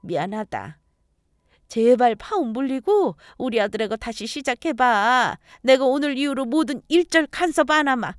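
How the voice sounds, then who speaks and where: A woman's voice: high voice, animated, normal speed, no echo, clean studio sound. A woman voicing a scheming middle-aged future mother-in-law who shrieks and wails. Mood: grudging.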